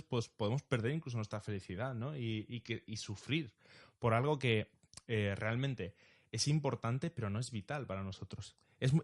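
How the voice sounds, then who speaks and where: A young man hosting a Christian talk show, welcoming listeners and explaining ideas in a casual, lively chat. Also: medium pitch. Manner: lively, brisk and explanatory, often tags questions.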